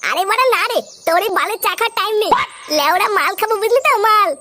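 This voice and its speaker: একজন অভিনেতার করা গালিবাজ কার্টুন যুবক ফুটো, খুব তীক্ষ্ণ চড়া গলা. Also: male voice, extremely high pitch, fast talker, heavily acted. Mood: cocky. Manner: brash, swears constantly, shouts. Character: Futo, a foul-mouthed rowdy young man.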